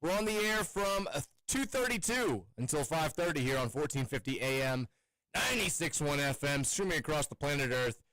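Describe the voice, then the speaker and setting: A man's voice: a little high, animated, normal speed, bright, forceful tone, dry recording, rough recording. A man hosting a sports radio show in a studio, chatting loosely with frequent restarts. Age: adult with kids. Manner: rambling, chatty, with many restarts. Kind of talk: casual sports radio chat. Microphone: studio microphone.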